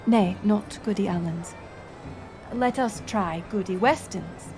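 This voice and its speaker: A woman's voice: medium pitch, over music, close to an everyday voice. A woman playing a playful, curious village woman in a romantic audio roleplay, speaking in archaic thee-and-thou English. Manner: archaic thee-and-thou speech, slow and musing. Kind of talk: romantic audio roleplay acting addressed to the listener.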